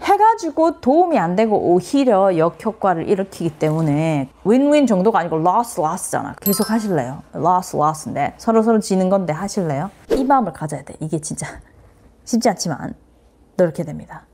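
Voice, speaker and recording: A woman's voice: lowish voice, big pitch swings, moderate pace, dark tone. A middle-aged woman psychiatrist giving a parenting lecture, speaking earnestly, acting out what parents and children say and mixing in English phrases.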